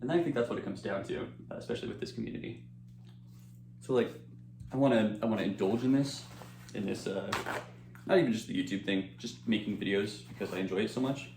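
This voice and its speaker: A young man with a fairly low voice chats loosely while eating, full of fillers and restarts, sometimes talking through a mouthful. He sits in an echoey room at home, with a faint hum underneath. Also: fast talker, a little mellow. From United States. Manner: rambling, with frequent fillers and restarts. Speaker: eating-channel creator. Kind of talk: casual chat while eating.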